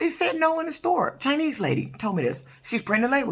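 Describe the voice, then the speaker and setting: Noticeable background noise sits under this recording. A woman talks at a very fast pace with very wide pitch swings. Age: 50s. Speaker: former over-the-road truck driver. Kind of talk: casual talk to camera.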